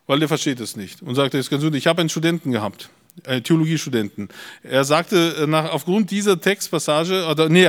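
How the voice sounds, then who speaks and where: A middle-aged man preaching a blunt, emphatic sermon, his voice swinging between loud outbursts and quiet asides. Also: a little high, in a large hall.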